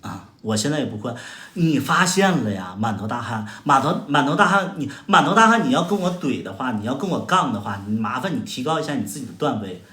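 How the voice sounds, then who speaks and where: A man with a Northeastern Mandarin accent hosts a livestream, trading mocking, combative comebacks with viewers. His pitch leaps up and down with lively animation, and his voice rings out in a roomy, echoey space. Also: fast talker. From Heilongjiang, China. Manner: sarcastic, combative, mocking retorts with exaggerated exclamations. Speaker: livestream host. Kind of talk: casual livestream chat answering viewer comments. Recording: echoey room sound.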